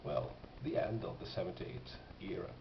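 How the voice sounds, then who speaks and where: A man talking casually and haltingly as he presents his collection, in an unscripted show-and-tell. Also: deep voice, gravelly. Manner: halting, pausing, thoughtful delivery. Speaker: record collector presenting finds. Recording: dull, noisy, echoey home recording.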